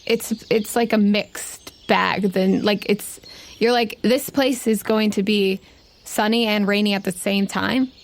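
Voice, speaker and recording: A woman acts as game master for a tabletop role-playing game. Her voice sits at a middle pitch. She improvises descriptions casually, building them phrase by phrase. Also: fairly even intonation, unhurried.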